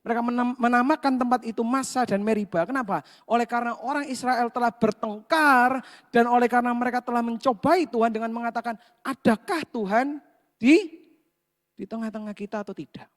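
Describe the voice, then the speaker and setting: A man's voice: very high-pitched, big-room sound. A man preaching a sermon, telling the story with questions to the congregation and acting out the grumbling crowds. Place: church hall.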